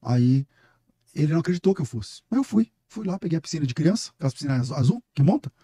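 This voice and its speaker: A man's voice: on the high side, sing-song, quick pace, warm tone, breathy edge, no room sound, clean studio sound. A middle-aged Brazilian man, a pastor, talking emphatically and telling stories in a casual podcast conversation. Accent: Brazilian Portuguese. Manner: emphatic, storytelling, preacher-like. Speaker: guest pastor.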